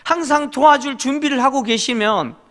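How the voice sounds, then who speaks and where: An extremely high-pitched, fairly bright male voice at normal speed carries this Korean sermon. The middle-aged pastor is emphatic, poses rhetorical questions, answers with short affirmations, and has the congregation read scripture aloud with him.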